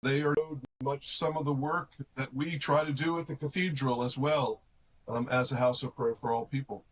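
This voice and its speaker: A man representing a church, speaking in a measured, explanatory way in a live news interview. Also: medium pitch, fairly even intonation, rough recording. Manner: measured and explanatory, with occasional fillers. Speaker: cathedral representative.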